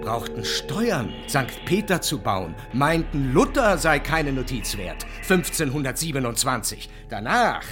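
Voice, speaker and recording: An actor playing a grave prosecuting narrator in a literary radio play, reciting deliberately and declaiming. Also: male voice, mid-range voice, big pitch swings, music in the background. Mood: grave, subdued.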